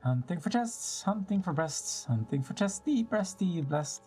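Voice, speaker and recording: Playful game streamer with very animated pitch. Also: a little slow, breathy edge, soft background music. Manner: playful, sing-song asides and slang. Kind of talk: casual gameplay commentary with dramatic reading.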